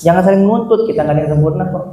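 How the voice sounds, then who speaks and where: A man preaches an Islamic study sermon in a high-pitched, rapid-fire, warm voice, telling a story and acting out the characters' lines. He's miked from a distance in an echoey hall, with faint noise.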